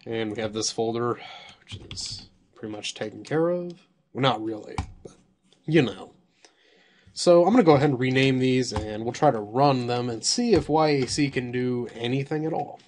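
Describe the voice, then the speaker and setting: A man with a slightly hoarse voice casually reviewing software at his computer, thinking aloud and swearing when surprised. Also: mid-range voice, normal speed, a little hiss or hum.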